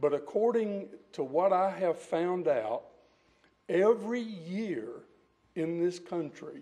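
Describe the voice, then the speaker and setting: A man with an American accent speaks at a high pitch in a dark, mellow tone with lively intonation, moving at a very slow pace with long, frequent pauses. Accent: mountain. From Western North Carolina. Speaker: public commenter at council meeting. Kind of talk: public comment. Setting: town council meeting.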